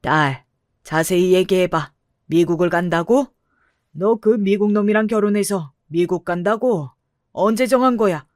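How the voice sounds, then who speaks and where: A woman's voice: fairly low pitch, a little slow, no room sound, studio quality, natural voice. A woman voicing a stern middle-aged father who demands answers from his daughter. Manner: demanding, questioning.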